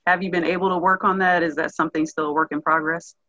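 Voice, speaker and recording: Female journalist, 30s, bright tone, close dry sound, conversational questioning. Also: on the low side, steady tone, quick pace, no room sound. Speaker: reporter asking questions. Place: living room with sofa. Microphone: video call. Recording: dull video-call audio.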